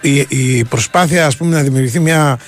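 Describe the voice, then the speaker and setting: A man's voice: mid-range voice, soft background music. A man co-hosting a sports radio show, arguing his points emphatically and repeating them for weight. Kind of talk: casual radio sports chat. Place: radio studio.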